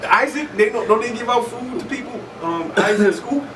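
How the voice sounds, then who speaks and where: A man's voice: extremely high pitch, expressive, normal speed, recorded from a distance, very noisy. A man hosting a casual radio show, talking in a slangy, laid-back way in a studio. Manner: slangy, laid-back, says "you know what I'm saying" often.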